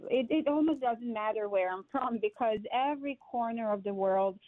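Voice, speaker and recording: A woman from Serbia, a survivor turned advocate, speaking earnestly in an interview with frequent pauses. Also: on the high side, no room sound. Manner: earnest, reflective, with hesitations. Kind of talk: remote interview. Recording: dry tinny call audio.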